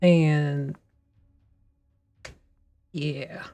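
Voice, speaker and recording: A woman's voice: sits low, fairly even intonation, very slow, dark tone, no echo. A woman playing a tabletop game, chatty and self-deprecating about her plans. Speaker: player. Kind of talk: casual tabletop play.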